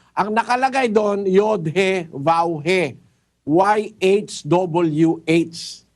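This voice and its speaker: Emphatic high-voiced preacher. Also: male voice. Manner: emphatic, repeating points, switching into English. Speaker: preacher answering a caller. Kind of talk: corrective Bible lecture.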